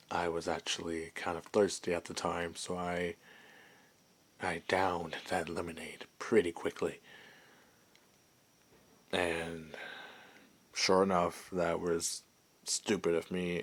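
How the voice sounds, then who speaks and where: A man voicing a friendly, gentle werewolf and former adventurer in an intimate ASMR roleplay, chatting in a hesitant, softly amused way. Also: sits low, full character voice.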